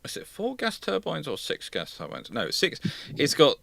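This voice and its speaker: A man's voice: fairly high pitch, huge pitch swings, moderate pace, gravelly, sharp tone, dry recording. A man hosting an unscripted expert discussion of naval ships, often correcting himself and repeating points for emphasis. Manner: hesitant self-correcting, emphatic repetition. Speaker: host.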